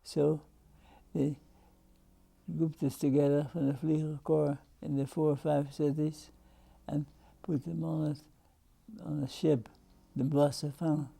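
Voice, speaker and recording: An older former pilot, recalling wartime in slow, broken phrases. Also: male voice, on the high side, little pitch movement, creaky, dark tone. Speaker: veteran pilot interviewee. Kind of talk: interview recollection.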